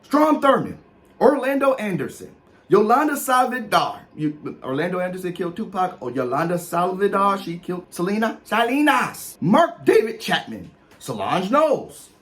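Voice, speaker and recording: A man in his thirties with a high voice and very animated intonation. He speaks African American English. He reads out lists like an official announcement, then drops into casual, emphatic asides as a comedic explainer. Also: normal speed. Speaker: host explaining slang. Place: small room with posters, indoors.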